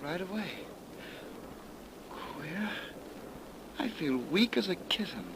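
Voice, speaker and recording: Slow, weak, high-voiced young man. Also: lively intonation, gravelly, a bit bright, exaggerated voice. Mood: groggy, dreamy. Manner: faint, halting. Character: weak, dreamy young man wasting away. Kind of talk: 1930s radio acting. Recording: noisy old 1930s radio recording.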